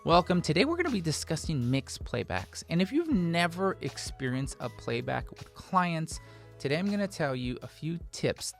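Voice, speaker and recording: A man's voice: on the high side, gravelly, fairly bright tone. An American man in his forties hosting a conversational instructional talk, stressing his advice emphatically. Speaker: host, sound mixer. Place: small indoor post-production studio. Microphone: desk microphone close in front.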